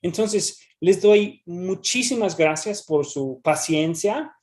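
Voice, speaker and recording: Man speaking careful, halting Spanish. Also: high-pitched, lively intonation, a little mellow. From United States. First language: English. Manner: halting, frequent restarts and repeated words. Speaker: researcher presenting. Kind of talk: academic talk and Q&A.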